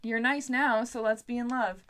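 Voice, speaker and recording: A woman's voice: fairly high pitch, fairly even intonation, normal speed, fairly bright tone. Chatty young woman, casual and rambling. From Canada. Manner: informal, rambling, playfully self-deprecating. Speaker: book vlogger. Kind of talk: casual chat to camera.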